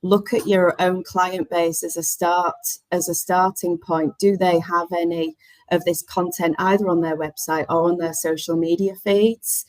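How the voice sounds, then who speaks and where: A woman with a fairly low voice gives unscripted advice as a webinar panelist. Her phrasing is halting and she often rewords as she goes. The recording is dry, without room sound. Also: flat delivery, a little mellow, no room sound, rough recording. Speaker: panelist running a flexible workspace.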